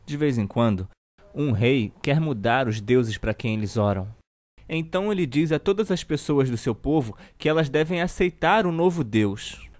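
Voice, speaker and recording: A man with a Brazilian accent playing a children's TV uncle who reads a storybook slowly and deliberately to children. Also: mid-range voice, expressive, a little mellow, no room sound, lightly acted. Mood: storytelling. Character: children's TV show host uncle reading a satirical storybook. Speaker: storyteller host of a kids' show.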